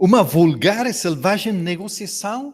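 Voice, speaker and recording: At a very slow pace, a man with a Spanish accent speaks with lively intonation. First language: Spanish (speaking Portuguese). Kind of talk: seminar talk. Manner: halting, with fillers.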